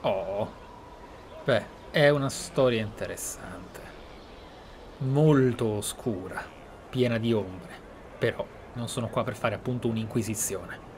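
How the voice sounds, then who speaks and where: A man's voice: on the low side, slow pace, a little hiss or hum. A man with an Italian accent giving let's play commentary in a reflective, discursive way. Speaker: gaming commentator. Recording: game ambience faintly behind the voice.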